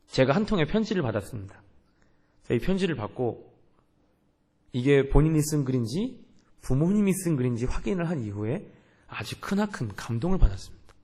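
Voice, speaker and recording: A young man, a youth pastor, preaching a sermon in an earnest way and asking the congregation questions. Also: a little high.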